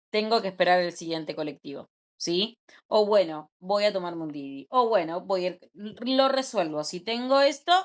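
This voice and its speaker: Argentine woman teaching a chatty class. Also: on the high side. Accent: Argentine Spanish. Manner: conversational, checks in with frequent rhetorical questions. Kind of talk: informal class lecture.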